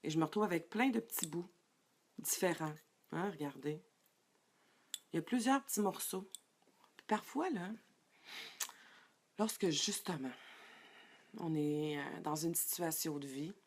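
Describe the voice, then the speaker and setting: A woman's voice: low voice, lively intonation, unhurried, long pauses, a little mellow. A middle-aged woman, giving a live-streamed coaching talk in a chatty way, greeting viewers by name and using many fillers. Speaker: life coach.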